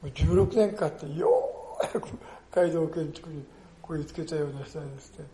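An older male pastor preaches in a somewhat high but mellow, gravelly voice. His delivery is earnest and storytelling, with small emphatic fillers throughout. The sound carries the echo of a church hall. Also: moderate pace. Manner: earnest storytelling, peppers phrases with "desune". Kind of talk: sermon.

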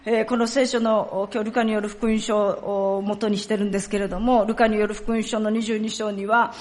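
A woman giving a sermon. She tells the story vividly and sometimes drops to a hushed tone for solemn parts. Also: medium pitch, flat delivery, brisk. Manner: storytelling, acts out quoted lines and dialects. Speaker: pastor.

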